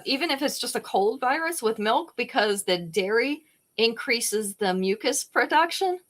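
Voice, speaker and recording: A woman's voice: medium pitch, a bit bright. A woman hosting a live-stream jewelry sale, chatting casually and greeting viewers by name as she shows each piece.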